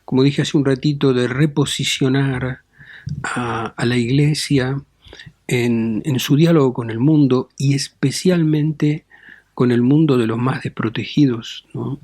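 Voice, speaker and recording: A middle-aged man, a Catholic bishop giving deliberate interview answers with frequent tag questions and fillers. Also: medium pitch, steady tone, darkish tone, husky, no echo.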